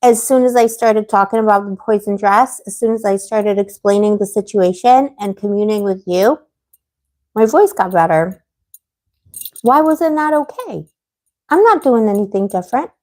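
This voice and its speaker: A woman's voice: mid-range voice, lively intonation, moderate pace, darkish tone. A woman hosting a tarot livestream, talking in a loose, rambling way with lots of fillers, restarts and small laughs. Her voice sits in an ordinary middle range. It sounds slightly worn, as if it has been giving out lately. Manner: gossipy, laughs often. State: losing her voice. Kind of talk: casual livestream chat. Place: living on a Mediterranean island.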